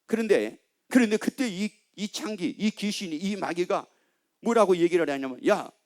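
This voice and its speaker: A man's voice: high voice, lively intonation, moderate pace, darkish tone. A male pastor preaching a sermon in a church, emphatic and constantly asking the congregation questions.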